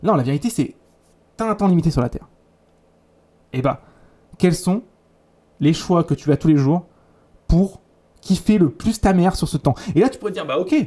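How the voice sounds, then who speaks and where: A man's voice: a little high, expressive, normal speed, long pauses, mellow. A man giving a blunt, casual motivational talk as a 3D teacher, full of crude slang and restarts. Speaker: YouTube 3D teacher.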